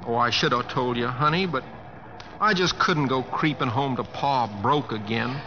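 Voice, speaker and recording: An actor playing a bashful, earnest Oklahoma cowboy in an old-time radio drama, with a rural Oklahoma accent and a hesitant, folksy drawl. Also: male voice, mid-range voice, normal speed, pushed and bright, lightly acted. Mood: sheepish, coaxing. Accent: American, rural Oklahoma. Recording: dull vintage radio recording, faint music.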